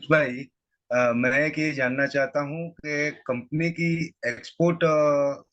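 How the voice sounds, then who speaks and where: A man's voice: mid-range voice, fairly bright tone. A man with an Indian accent, a caller asking a question on an earnings call. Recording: dull conference call line.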